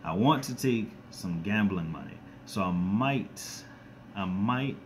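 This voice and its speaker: Casting: man, very low pitch, raspy and monotone from a cold, halting casual streamer talk, faint background hiss. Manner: halting, many ums and restarts. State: scratchy throat from a cold. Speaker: YouTuber doing a live stream. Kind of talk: casual live-stream chat. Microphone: close to the screen and device.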